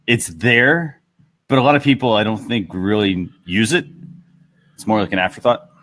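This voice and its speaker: A man's voice: lowish voice, normal speed, a bit bright, a little hiss or hum. A man co-hosting a casual panel discussion, explaining his view with some hesitant starts. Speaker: talk show co-host.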